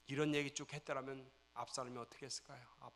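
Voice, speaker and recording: A pastor in his forties preaching a sermon, telling a personal story and acting out the dialogue, dropping to a hush and then rising loud. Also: medium pitch, brisk. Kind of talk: sermon testimony. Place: church.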